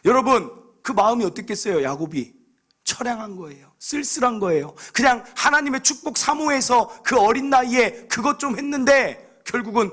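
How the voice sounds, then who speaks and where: A male pastor preaching a sermon in a church, telling scripture stories with animated, acted-out dialogue. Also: high-pitched.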